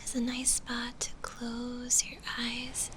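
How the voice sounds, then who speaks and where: A shy, insecure zombie girl, played by a woman for an ASMR roleplay, speaks in a high, soft, breathy near-whisper. Her delivery is slow, gentle and halting, full of bashful hesitation, with clear ambient noise behind her. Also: completely flat delivery. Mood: soothing.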